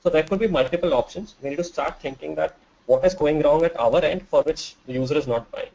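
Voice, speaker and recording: A man's voice: fairly high pitch, fairly quick, creaky, a little mellow, dull audio. A man answering webinar questions as an expert, explaining with examples and rhetorical questions. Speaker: marketing expert panelist.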